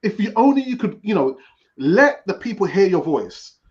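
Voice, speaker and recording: A man's voice: sits high, sing-song, moderate pace, background noise. A man in a casual chat giving advice, speaking emphatically and repeating key words. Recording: dull lo-fi sound.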